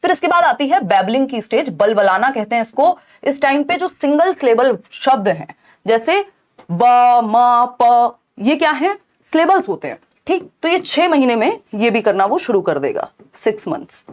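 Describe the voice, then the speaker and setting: A woman with a high, bright-sounding voice teaches an exam-prep lecture. She explains each point step by step and keeps checking in with her students. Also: big pitch swings, normal speed.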